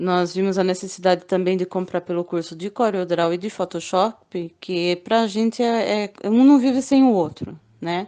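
A woman's dark, mellow tone with hardly any pauses. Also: medium pitch for a woman, ordinary pitch variation, moderate pace, quiet background. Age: 40s. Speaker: student of sublimation courses. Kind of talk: testimony.

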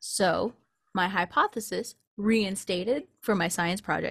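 The speaker talks at a fairly slow pace. The background is quiet. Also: woman. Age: 20s. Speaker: podcast co-host. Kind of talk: casual chat. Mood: playful, humorous. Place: home room. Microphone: studio mic.

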